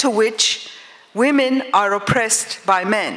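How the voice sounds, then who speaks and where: A woman's fairly high voice with lively intonation over noticeable background noise. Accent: Turkish. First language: Turkish. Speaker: anthropology professor. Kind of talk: conference talk. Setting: symposium with audience. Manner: hesitant, with fillers and self-corrections.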